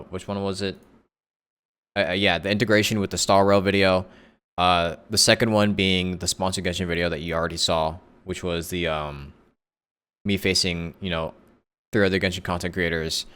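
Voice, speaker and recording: A man with a deep, slightly bright voice and a clean tone chats casually on a livestream with his viewers, rambling and thinking aloud as he corrects himself. He's a live streamer and content creator, and music plays in the background.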